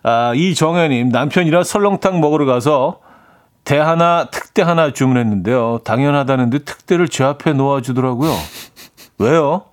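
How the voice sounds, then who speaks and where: A man's voice: mid-range voice, moderate pace. A man co-hosting a radio show, casually reading listener messages and chatting along with frequent short agreements. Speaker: radio co-host.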